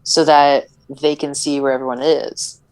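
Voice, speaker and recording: Low-voiced woman rambling through a recap. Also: flat delivery, measured pace, a little mellow, clean tone, rough recording. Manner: rambling, heavy on "like" fillers, stumbles over words. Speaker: podcast co-host. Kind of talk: casual movie recap chat.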